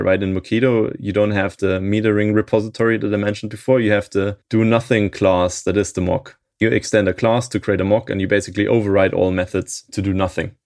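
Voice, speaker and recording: A man with a low, gravelly voice talks through technical details in a relaxed, conversational way. He speaks in a fairly flat, even tone and often laughs lightly as he explains. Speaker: open source library maintainer, guest.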